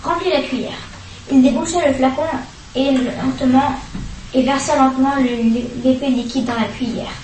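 A woman reading a children's storybook aloud, lively and expressive. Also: high voice, moderate pace, reverberant, far from the mic, a little hiss or hum, poor audio. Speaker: reader.

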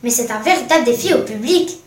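A woman's voice: high voice, normal speed, lightly acted. Woman voicing a stunned indignant boy. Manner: emphatic, indignant. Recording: roomy echo, mic at a distance.

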